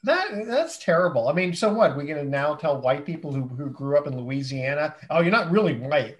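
A man from Northern California hosting a casual sports talk show, animated and quick to laugh. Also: a little high. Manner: animated, lively, laughs easily. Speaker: host.

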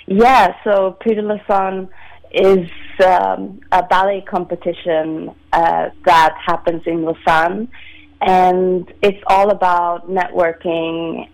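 A woman in her late twenties, from Sweden, a ballet dancer answering interview questions in a measured, soft-spoken way with many pauses. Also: lowish voice, level tone, vocal fry, poor audio. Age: 20s. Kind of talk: phone-in radio interview.

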